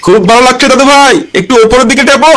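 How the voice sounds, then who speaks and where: A woman voicing an elderly grandfather in a comedy cartoon, speaking in a gentle, placating way. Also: high-pitched, rapid-fire, a little hiss or hum, voice pushed down. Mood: soothing. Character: old grandfather, calm and soothing.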